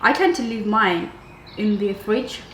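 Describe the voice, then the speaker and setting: A woman's voice: medium pitch, a little slow, fairly bright tone, a little hiss or hum. A woman in her thirties hosting a casual cooking chat in a home kitchen, chatty and full of "like". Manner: chatty, uses "like" often. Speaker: cooking show host. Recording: roomy kitchen with faint ambience.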